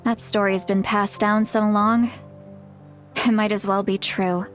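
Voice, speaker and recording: A woman's voice: mid-range voice, level tone, measured pace, natural voice. An actress playing a frank, self-deprecating tribal elder woman in a video game, speaking casually with wry, hesitant asides. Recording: music behind the voice.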